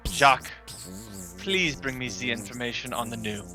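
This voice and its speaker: A man playing a tabletop roleplaying game, speaking in a dry, deliberate way as he roleplays and chats. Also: medium pitch, expressive, music in the background. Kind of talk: in-character roleplay and table chat.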